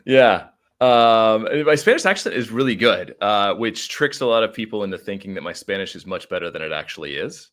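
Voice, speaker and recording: A man's voice: on the low side, animated, fairly quick, hardly any pauses, fairly bright tone. A middle-aged American man telling his story casually as a podcast guest, talkative and a little rambling. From United States (Arizona).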